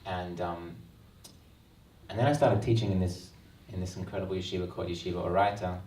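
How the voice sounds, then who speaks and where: Australian man, 30s, low and flat delivery, earnest and reflective; far-off roomy hall recording with faint ambience. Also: a little fast, slight background noise. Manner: earnest, reflective, frequent ums. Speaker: author. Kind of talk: book launch talk. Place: event hall. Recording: roomy hall sound, mic at a distance.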